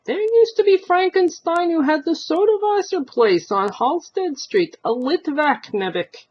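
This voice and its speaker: A woman voicing an opinionated, excitable old Jewish immigrant husband, emphatic in a storybook reading. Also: very high voice, unhurried, dull audio, voice pushed up. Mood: curious. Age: older. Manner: emphatic, indignant, inverted immigrant phrasing.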